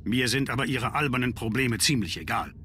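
A man's voice: mid-range voice, fairly quick, sharp tone, close to an everyday voice. An actor voicing an irritable, aloof nobleman in a game dub, curt and dismissive.

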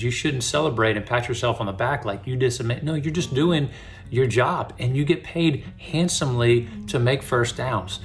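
A man in his thirties, a pastor, speaking a devotional to camera from a small home office, earnest and conversational with frequent restarts. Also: mid-range voice.

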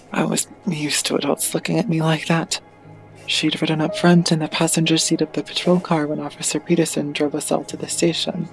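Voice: mid-range voice, vocal fry, close to an everyday voice, poor audio. An actor playing a weary, anxious teenage kid in an audio drama, speaking in a hesitant way. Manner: hesitant, halting. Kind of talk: audio drama narration and dialogue.

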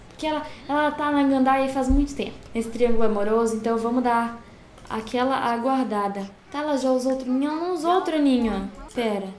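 High-voiced chatty Brazilian woman gamer. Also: echoey room, a little hiss or hum. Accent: Brazilian Portuguese. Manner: chatty, gushing, talks to viewers. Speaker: gaming YouTuber. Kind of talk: casual let's-play commentary.

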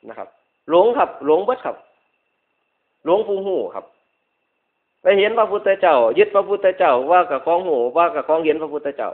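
A man's voice: on the high side, lively intonation, a little fast, pauses often. A man with a northeastern Thai Isan accent giving a Buddhist sermon as a monk, repeating points emphatically with polite phrase endings. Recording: dull lo-fi radio-like recording.

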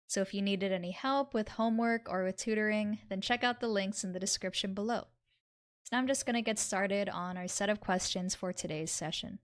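A young woman with a smooth, clean voice works through an instructional tutorial. She explains in measured steps at a medium pitch, recorded close and dry at a desk. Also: dry recording. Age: 20s. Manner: measured, explains step by step while writing. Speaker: chemistry tutor. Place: small indoor room at a desk.

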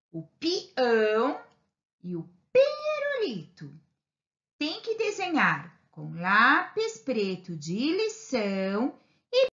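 A woman's voice: high-pitched, bright, forceful tone, dull audio. A woman with a Brazilian accent teaching young children, giving patient step-by-step instructions and drawing out her words. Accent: Brazilian Portuguese. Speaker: primary school teacher. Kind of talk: recorded remote class for young children.

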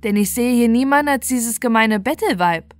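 A woman voicing a proud young boy in a fairy tale, with sharp, emphatic delivery. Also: fairly high pitch, lively intonation, normal speed, no room sound, close to an everyday voice. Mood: scornful, angry. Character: proud, cruel, scornful young boy, later remorseful.

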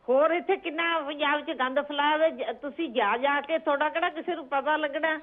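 A woman caller with a very high voice and a Punjabi accent. She chats casually and teasingly over a thin, narrow phone line. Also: fairly even intonation, a little fast.

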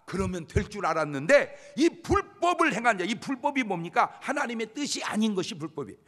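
A male pastor delivers an animated sermon and acts out the prayers he describes. His voice sits high and swings widely in pitch. It is slightly husky, and a long church reverb follows every phrase. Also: brisk. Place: church sanctuary.

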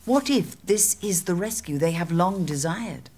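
A shrewd, disdainful queen of medieval times. Her voice sits low for a woman and is husky. She delivers the audio drama lines with wry, regal poise. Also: animated, a little slow, darkish tone, full character voice.

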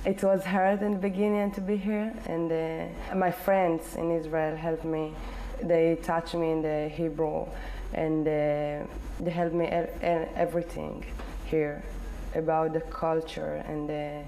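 A woman in her twenties from Ethiopia, answering interview questions in halting English with many pauses and fillers. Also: low voice, level tone, dark tone, a little hiss or hum, rough recording. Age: 20s. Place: indoor living room.

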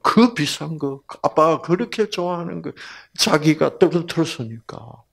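A man's voice: a little high, creaky. A man giving a storytelling Bible lecture to a live audience. He asks the audience questions, acts out the people in his story and often drops to a whisper. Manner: slow, animated delivery, often dropping to a whisper.

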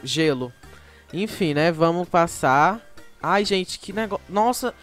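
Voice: mid-range voice, animated, slow pace. Chatty Brazilian gamer, faint music behind. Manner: chatty, talks to viewers, frequent exclamations and sudden shrieks. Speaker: YouTube gamer. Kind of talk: casual gameplay commentary.

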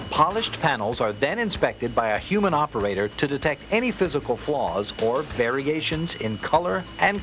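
A middle-aged American man presenting a scripted industrial film in a polished, promotional manner. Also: medium pitch. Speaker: corporate video presenter. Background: background music.

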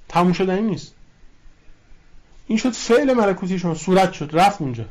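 A man's voice: on the high side, a little mellow. A man giving a colloquial religious lecture, teaching through repetition and quoted Arabic phrases. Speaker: cleric lecturing on a religious book.

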